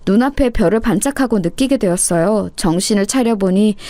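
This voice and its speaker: A woman telling a first-person family story in a confiding, steady way, like a radio story reading. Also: medium pitch, fairly quick, no echo. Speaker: story narrator.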